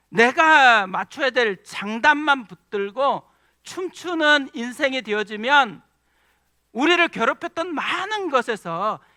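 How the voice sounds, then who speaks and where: Speaking in a Jeolla accent, a man uses a raised, projected voice with a bright, sharp tone and very wide pitch swings. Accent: Jeolla regional. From Jeolla, Korea. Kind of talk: preacher, sermon.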